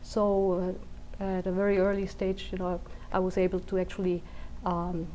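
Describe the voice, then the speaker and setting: Woman, from Venezuela, panel guest, hesitant, monotone delivery. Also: lowish voice, moderate pace, slight background noise, rough recording. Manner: hesitant, many fillers and restarts. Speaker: geologist, panelist. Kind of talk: panel discussion.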